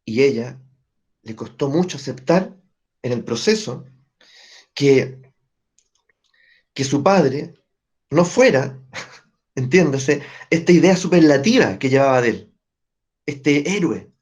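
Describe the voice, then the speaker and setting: A man teaching family constellations to a group, explaining step by step and often checking in with his listeners through quick tag questions. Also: mid-range voice, expressive, darkish tone. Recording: dull lo-fi recording.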